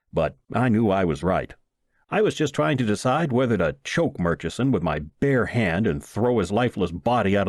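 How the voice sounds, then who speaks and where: A man reads a comic short story as an expressive narrator. His voice sits fairly low and moves around a lot in pitch. The sound is dry, with very little room in it. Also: dry recording. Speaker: audiobook narrator and reader.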